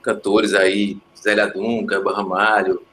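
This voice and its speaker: In a casual interview with faint background noise, a guest composer, musician and producer with a northeastern Brazilian accent from Pernambuco gropes for his words. He speaks unhurriedly in a lowish, fairly bright voice with little pitch movement.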